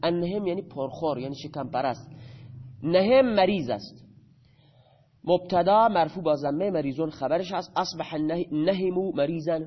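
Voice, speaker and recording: A man teaches grammar in a lecture, with a voice on the high side. He asks the class a question and answers it himself. The recording sounds a little dull and muffled. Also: breathy edge.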